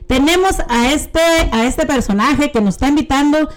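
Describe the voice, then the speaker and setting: A woman's voice: sits high, normal speed. A woman hosting a radio show, interviewing a guest in a friendly, encouraging way. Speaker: radio host.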